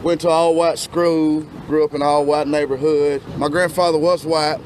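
A man's voice: a little high, flat delivery, moderate pace, darkish tone, a little hiss or hum. A man in a street interview, talking bluntly and heatedly in informal speech.

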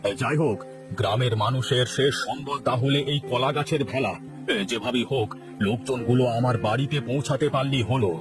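A man voicing a kindly village landlord in a cartoon, who starts his lines with a drawn-out "e-". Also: mid-range voice, music in the background, close to an everyday voice. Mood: worried. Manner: calls out with a drawn "e-" before lines. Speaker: cartoon voice actor. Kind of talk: dubbed cartoon acting.

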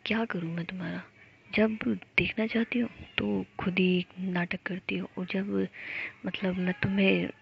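A woman voicing a playful young woman lover in a whispered role-play, teasing in a soft whisper. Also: medium pitch, flat delivery, unhurried, vocal fry, lo-fi sound, a little hiss or hum.

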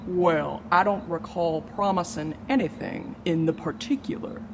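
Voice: medium pitch, a little slow, background noise, close to an everyday voice. An actor playing a sly, gloating folksy villain with a drawl in an audio drama. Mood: smug, mocking. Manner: drawling, mocking, mannered.

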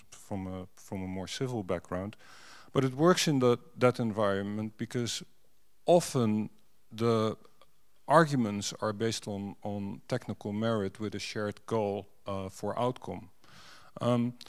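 Man, non-native English speaker, fairly low voice, halting, lots of um and uh, handheld mic on a conference stage. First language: not English. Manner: hesitant, many fillers and restarts. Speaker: panelist. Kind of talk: panel discussion. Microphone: handheld microphone.

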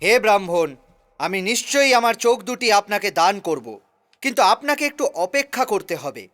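A man's voice: high-pitched, very animated, fairly quick, a bit bright. A man voicing a noble, generous fairy-tale king in a children's cartoon, with formal, declamatory delivery. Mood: lofty, earnest. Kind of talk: Bengali children's cartoon acting.

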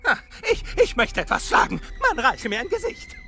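Cholerischen alten Lama-Meister. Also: male voice, extremely high pitch, huge pitch swings, normal speed, soft background music, heavily acted. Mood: furious. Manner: hysterical, fussy, shouting. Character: choleric old male llama guru, vain.

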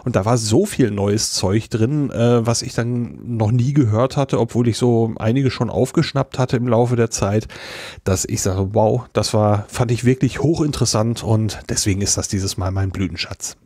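A man's voice: lowish voice, moderate pace, dark tone, slightly rough, no room sound, studio quality. A man co-hosting a podcast, explaining a recommendation in loose, unscripted talk. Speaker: podcast co-host.

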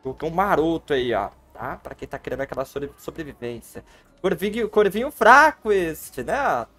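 Joking Brazilian streamer with lively pitch. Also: male voice, moderate pace, faint music behind. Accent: Brazilian Portuguese. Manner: playful, joking, keeps addressing the chat. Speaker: game streamer. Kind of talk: casual gameplay livestream commentary.

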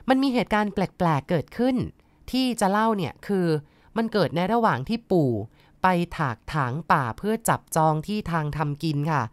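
A woman from northeast Thailand narrating a ghost story in a calm, polite, unhurried way. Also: lowish voice, dry recording.

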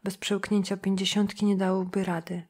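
Woman doing a hushed, sad older mother. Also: mid-range voice, little pitch movement, moderate pace, slightly rough, natural voice. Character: older weary farm wife, guilt-ridden mother.

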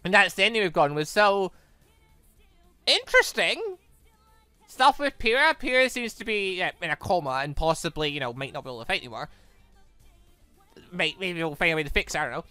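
A woman's voice: fairly low pitch, fairly quick, long pauses, no echo, soft background music. A young woman streaming a visual novel, reading the lines aloud and chatting about the story. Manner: chatty, animated, reads character lines in her own voice. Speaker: let's play streamer.

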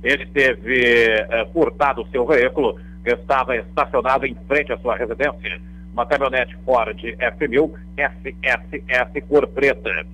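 Husky middle-aged man reading police news. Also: mid-range voice, steady tone, a little slow, pushed and bright, rough recording. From Brazil. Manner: conversational newsreading with fillers and tag questions. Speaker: police beat reporter. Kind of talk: radio police bulletin. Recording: radio broadcast audio.

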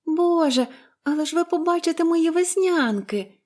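A woman's voice: moderate pace, close to an everyday voice. A woman voicing a cheerful, chatty young orphan girl who talks eagerly and gushes in a storybook reading. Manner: eager, gushing, high and bright.

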